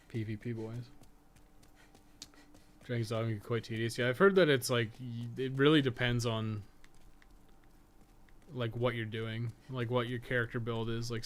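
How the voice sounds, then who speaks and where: A man streaming a game, thinking aloud and chatting in a casual, rambling way, muttering to himself and swearing now and then. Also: medium pitch.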